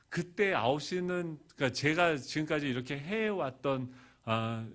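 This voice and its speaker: A middle-aged pastor with a medium-pitched voice preaches a storytelling sermon. He swings from hushed asides to loud, animated bursts.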